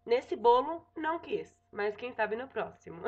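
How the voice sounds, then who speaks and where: A young woman with a Brazilian accent talks viewers through a recipe in a friendly, chatty way, often pausing to check they are following. Her voice sits a little high. The recording is somewhat dull and lo-fi, like a home setup. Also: sing-song. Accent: Brazilian Portuguese. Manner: chatty, frequent "tá?" check-ins and self-corrections. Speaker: cooking vlogger. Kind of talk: casual cooking tutorial. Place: home kitchen.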